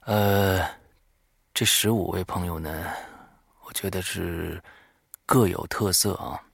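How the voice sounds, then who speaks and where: A man's voice: low-pitched, steady tone, slow, gravelly, a bit bright, breathy edge, no room sound, studio quality. A man hosting an audio show, talking informally to his listeners. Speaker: horror audio show host. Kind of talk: semi-scripted talk to listeners.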